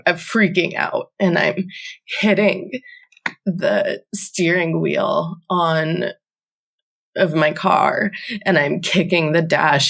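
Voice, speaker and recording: A woman's voice: fairly low pitch, vocal fry, a bit bright. A woman in her twenties, a podcast guest telling a personal story in a conversational way, often saying "like" and "um". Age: 20s.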